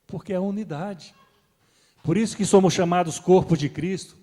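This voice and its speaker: A middle-aged man preaches from the pulpit in a fairly high voice. He swells loud on his points and then drops back soft. The sound trails off in the long reverb of a church hall. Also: moderate pace. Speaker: pastor. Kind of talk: sermon.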